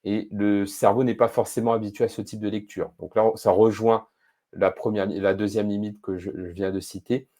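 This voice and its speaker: A man with a fairly low voice and a dark, mellow tone, speaking as a podcast guest. He explains things step by step, pausing often to gather his thoughts. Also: level tone. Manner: thoughtful, measured, frequent hesitations. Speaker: podcast guest, speed-reading expert. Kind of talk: casual interview explaining.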